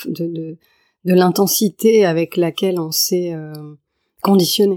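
A woman speaks very slowly at a fairly low pitch, with long, frequent pauses. The sound is dry and close with no echo, on a very clean recording with a silent background. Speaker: podcast host. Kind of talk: interview. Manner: lyrical, scripted intro.

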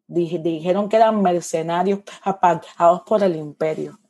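Her tone is dark and mellow, at a medium pitch for a woman. She speaks at a fairly slow pace with ordinary pitch variation. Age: 20s. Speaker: singer-songwriter. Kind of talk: interview.

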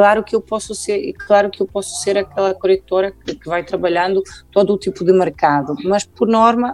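A woman with a Polish accent, medium pitch, ordinary pitch variation and a moderate pace, in a dry, close recording with no echo. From Poland. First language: Polish (speaking Portuguese). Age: 30s. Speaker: real estate franchise owner. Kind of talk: interview.

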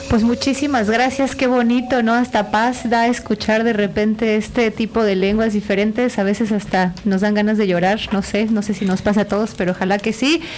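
A woman with a fairly high voice speaks at a moderate pace with hardly any pauses and fairly even intonation. Noticeable background noise runs underneath. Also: very even loudness. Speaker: radio co-host. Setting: radio studio.

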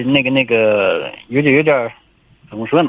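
Here a man talks at a moderate pace. His pitch is fairly high, and his intonation is lively. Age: 20s. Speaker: caller. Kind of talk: phone-in question. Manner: halting.

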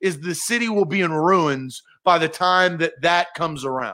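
A man speaks at a high pitch in a bright, sharp, animated tone with lively intonation. His pace is moderate, and the recording is very clean with a silent background. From Nashville, Tennessee. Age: 30s. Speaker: sports talk host. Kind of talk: casual chat.

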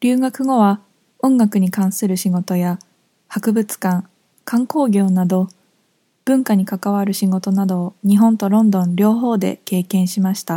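A somewhat breathy, dark and mellow voice speaks fairly slowly with fairly even intonation. The very clean recording has a silent background and a dry, close sound with no echo. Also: woman, medium pitch for a woman. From Japan, Yamanashi Prefecture. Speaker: Japanese language teacher. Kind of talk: scripted narration. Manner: formal.

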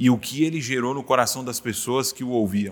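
A man talks at a moderate pace and a medium pitch. His intonation is lively. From Brazil, Brasília (Ceilândia). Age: 20s. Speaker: aspiring politician and law student. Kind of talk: podcast interview.

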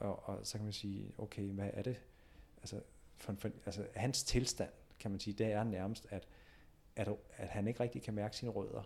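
With vocal fry and a fairly low pitch, a man talks at a moderate pace with fairly even intonation and long, frequent pauses. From Denmark, rural. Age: 40s. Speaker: psychologist. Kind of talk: casual chat. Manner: halting, many fillers.

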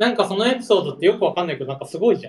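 A man speaks with lively intonation. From Tokyo (Kichijoji). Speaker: designer. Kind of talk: casual chat.

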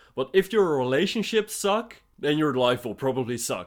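A man with a Dutch accent, lively intonation and a moderate pace. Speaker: podcast host. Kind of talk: interview. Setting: video call.

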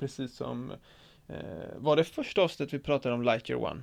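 This is a plain, everyday voice from a man. His pitch is fairly high and his intonation fairly even. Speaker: car podcast co-host. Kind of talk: casual chat.

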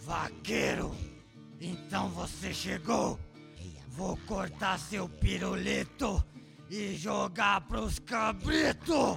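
In a put-on, raspy character voice with a menacing tone, a man speaks at a very slow pace with long, frequent pauses over clear music in the background. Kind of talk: comic villain. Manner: menacing, then comically vain.

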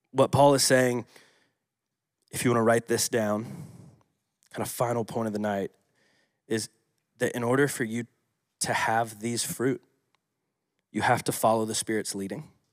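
A man with an American accent at a medium pitch and moderate pace, fairly even intonation and long, frequent pauses, in a very clean recording with a silent background. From US South, Atlanta, Georgia. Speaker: worship leader and guest preacher. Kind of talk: sermon. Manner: casual, conversational with fillers.

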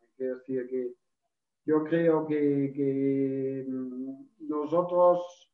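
A man speaks with a German accent and ordinary pitch variation. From Germany. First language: German (speaking Spanish). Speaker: orthopedic technician. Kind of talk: casual interview.

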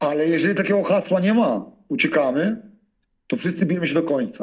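A man with a Ukrainian accent and lively intonation. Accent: foreign-tinged Polish from living in Ukraine. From Poland, Kraków. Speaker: former football hooligan and criminal. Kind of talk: interview testimony. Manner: halting, with many fillers and repetitions.

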